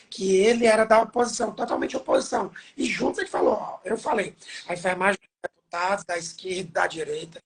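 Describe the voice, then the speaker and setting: Hoarse guy hosting, husky worn-out voice, earnest and rambly. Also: sits high. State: hoarse, losing his voice. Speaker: nurse and host. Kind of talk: casual interview talk.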